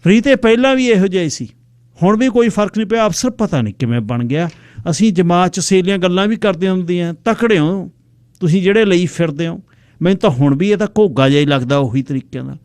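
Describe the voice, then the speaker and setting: A bold, playful woman with a high, lifted voice, as a male storyteller puts her on. She teases and mocks in a forceful, lively way. The voice is dry and close. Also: fairly quick, clear, resonant tone, dry recording, natural voice. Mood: mocking. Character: lively teasing woman, old schoolmate. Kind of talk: storytelling with acted dialogue.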